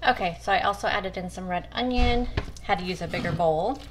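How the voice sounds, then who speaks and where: A woman's voice: fairly low pitch, fairly quick, music in the background. A woman talking viewers through her weekly meal prep in a casual, chatty way as she works at her home kitchen counter. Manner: chatty, talks to viewers as "you guys". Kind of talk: casual cooking walkthrough.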